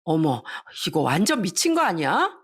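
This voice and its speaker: A woman's voice: lowish voice, big pitch swings, moderate pace, breathy edge, full character voice. Woman doing a huffy, haughty sister-in-law. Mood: indignant.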